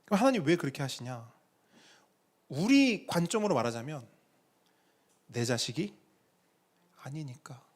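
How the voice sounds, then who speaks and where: A middle-aged man preaching a sermon as pastor, with dramatic pauses and acted-out quotes. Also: a little high, sing-song.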